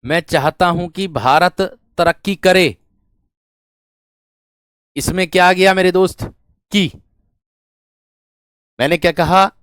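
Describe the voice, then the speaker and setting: A man's voice: sits high, steady tone, slow pace, long pauses, a bit bright, clean tone, no echo, studio quality. A man giving a classroom grammar lesson, dictating example sentences, repeating phrases and often checking that students follow with familiar rhetorical questions. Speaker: Hindi grammar teacher.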